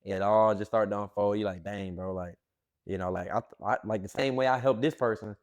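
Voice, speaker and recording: Speaking fairly quickly in a lowish, steady voice, a podcast co-host in his late twenties rambles through laid-back conversation full of slang and filler words. The highs in the recording are cut off.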